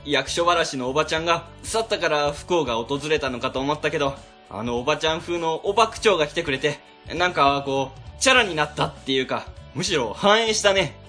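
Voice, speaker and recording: A man playing an excitable, good-hearted office team leader with an eager manner in an amateur radio drama. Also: fairly high pitch, a little fast, few pauses, faint music behind. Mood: relieved, warm. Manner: eager, expressive.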